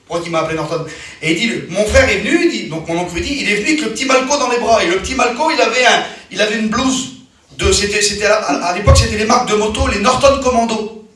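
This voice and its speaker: A man's voice: high-pitched, fast talker, a bit bright. A man preaching a sermon as a personal story, emphatic and repetitive, often restarting his sentences. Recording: very echoey hall, mic far off.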